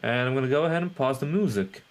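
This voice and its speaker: A man's voice: medium pitch, expressive, quick pace. A man doing casual live gameplay commentary, rambling, repeating himself and swearing offhand. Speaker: game livestreamer.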